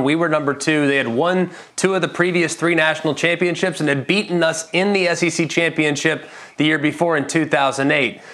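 A man's voice: on the high side, fairly bright tone. A man analyzing football on a panel, confident and detailed, drawing on his own playing days. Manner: confident, detailed, builds points with anecdotes. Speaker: football analyst, former player. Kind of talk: sports analysis.

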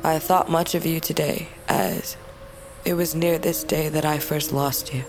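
A young woman playing a grieving, yearning tribal queen's daughter in an audio drama, speaking intimately and haltingly, at times slipping into whispers. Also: low voice, steady tone, a little hiss or hum. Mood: mournful. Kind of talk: dramatic audio fiction monologue. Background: music bed.

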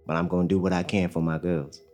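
An actor in an audio drama playing a young enslaved father who talks in a calm, plainspoken drawl. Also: deep voice, fast talker, music in the background, close to an everyday voice. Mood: steady. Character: young enslaved male father, steady and hopeful.

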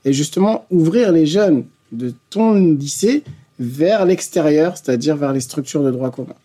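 A man's voice: on the high side, expressive, measured pace, mellow. A man hosting a podcast, reading a scripted intro and then chatting casually with a guest. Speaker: podcast host. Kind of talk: podcast interview.

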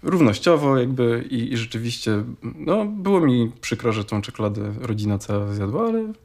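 A man from Poland, around forty, recalling family memories in a halting, thinking-aloud way. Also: mid-range voice, sing-song, darkish tone. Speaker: interviewee, relative of former scouts. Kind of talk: personal reminiscence.

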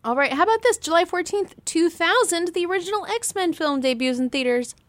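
A woman's voice: very high voice, expressive, fairly quick, no room sound. A woman co-hosting a comics podcast in a playful, giggly way with jokey asides. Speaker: podcast co-host.

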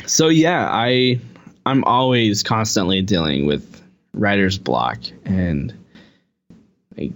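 A man's voice: fairly low pitch, expressive, takes it slowly, long pauses. A young man talking as a guest musician on a podcast, rambling casually with a lot of "like" in his sentences. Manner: rambling, heavy use of filler "like".

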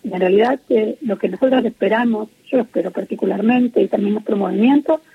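A middle-aged woman from Argentina with an Argentine Spanish accent, speaking as an interviewee in a phone interview, earnest and measured with many hesitations. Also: mid-range voice, slightly rough. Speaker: interviewee, peace activist. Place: at home in Israel. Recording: muffled lo-fi phone line.

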